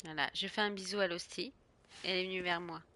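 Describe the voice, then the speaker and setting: A young woman streaming a video game, chatting excitably and swearing as she plays. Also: fairly low pitch, fast, a little hiss or hum. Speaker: gaming streamer. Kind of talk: casual let's-play commentary.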